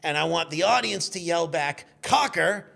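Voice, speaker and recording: A man in his fifties telling stories casually and in an animated, profane way as a podcast guest. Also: a little high, normal speed, creaky. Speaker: podcast guest, former radio intern. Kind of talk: casual storytelling.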